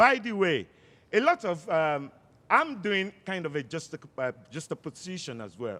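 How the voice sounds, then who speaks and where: Lively intonation marks this man's speech in a Nigerian accent. His tone is bright and sharp, and his pace is moderate. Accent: Nigerian (Yoruba) English. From Nigeria, Lagos. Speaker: drummer. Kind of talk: personal introduction at live event. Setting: outdoor courtyard event. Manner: halting.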